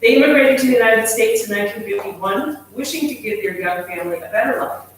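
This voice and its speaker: Woman host introducing speakers, echoey hall, some background noise. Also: on the high side. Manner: measured, announcing speakers. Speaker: event host. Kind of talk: formal introduction. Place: large lecture hall. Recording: echoey hall, mic from far off.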